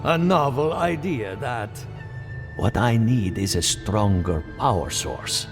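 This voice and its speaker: An actor playing a courteous, preoccupied researcher in a fantasy game, speaking formally and articulately. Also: male voice, medium pitch, expressive, slow. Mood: thoughtful, instructive. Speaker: game character. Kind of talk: scripted video game dialogue. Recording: game music behind the voice.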